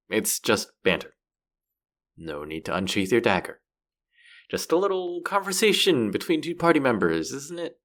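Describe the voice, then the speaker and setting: Man acting a low, gravelly, cocky fantasy rogue. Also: a bit bright, full character voice. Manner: teasing, foul-mouthed, sardonic banter. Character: cocky, bratty young male fantasy rogue, street rat. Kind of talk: character roleplay audio drama spoken to the listener.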